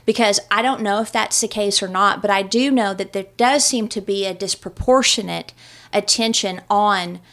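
A woman's voice: mid-range voice, normal speed, a bit bright. Chatty woman hosting a podcast. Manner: chatty, rambling storyteller. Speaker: podcast host. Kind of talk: casual chat about a true crime case.

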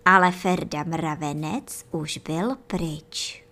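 A woman reading a children's bedtime story aloud, gently and with lively storytelling, speaking straight to the young listeners. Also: low-pitched.

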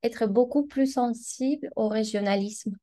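A woman's voice: a little high, a little slow, warm tone. Hesitant, thoughtful woman teacher. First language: Spanish. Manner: hesitant, many fillers and restarts, thoughtful. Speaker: language teacher, guest. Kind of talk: casual discussion.

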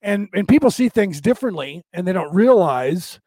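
A middle-aged man with a rough, odd-sounding voice, hosting a rambling, casual spiritual talk for a live audience. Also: high voice, animated, normal speed, warm tone, dry recording. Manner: rambling, many restarts and fillers. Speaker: livestream host.

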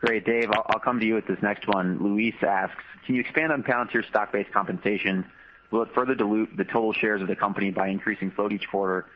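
A man's voice: on the low side, steady tone, brisk. A man moderating an earnings call, handing over to speakers and reading out submitted questions. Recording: muffled call audio with faint noise.

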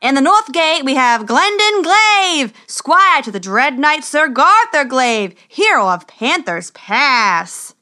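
A woman voicing a male herald who announces jousting knights loudly and grandly in a storybook, stretching out words. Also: sits high, sing-song, pitched above the performer's own voice, heavily acted. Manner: loud, grand, drawn-out announcing.

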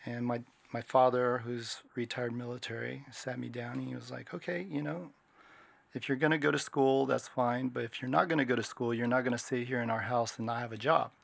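A middle-aged man from Washington State, a security consultant guest, talking through his background in a relaxed, measured way with plenty of fillers. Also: medium pitch, gravelly. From Washington State, USA. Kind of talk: casual interview conversation.

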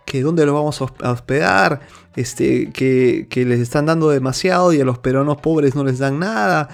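A man's voice: medium pitch, normal speed, creaky. Earnest Peruvian-born male host. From Peru. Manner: earnest, many restarts and fillers. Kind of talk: opinion monologue.

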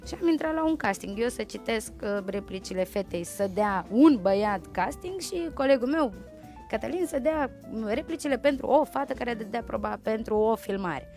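Brief: woman, 30s, chatty storyteller, bright higher voice, faint music underneath. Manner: lively anecdotal, acts out quotes. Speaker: guest. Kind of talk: casual storytelling on a podcast.

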